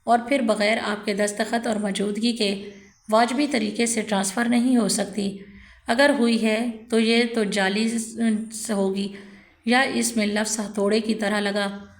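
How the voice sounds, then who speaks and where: A woman voicing a calm, firm senior woman lawyer who speaks seriously over the phone. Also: mid-range voice, natural voice. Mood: grave. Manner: measured, serious, steady.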